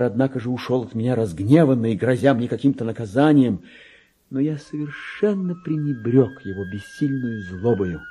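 An actor in a radio play voicing a deluded, tormented clerk who believes he is king, theatrical and volatile, with a husky voice. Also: mid-range voice, full character voice. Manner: theatrical, volatile, swinging from hushed muttering to anguished outcry. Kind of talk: dramatic radio monologue reading of classic literature.

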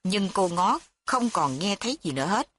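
A woman's voice: medium pitch, sing-song, moderate pace, a bit bright, dry recording. Woman reading a story aloud. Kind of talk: scripted story narration.

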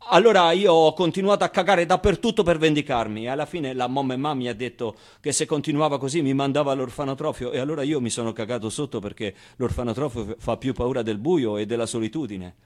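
A man's voice: mid-range voice, fast talker, few pauses, close to an everyday voice. An actor playing a candid, wry Arab orphan boy who tells his life in an intimate, conversational stage monologue with emphatic repetitions. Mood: animated, confiding. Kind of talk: theatrical monologue, intimate storytelling.

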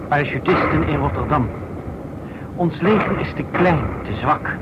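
A man giving dramatic scripted narration for a radio play, in grave, clipped sentences. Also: a little high. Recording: muffled old radio recording, clear noise.

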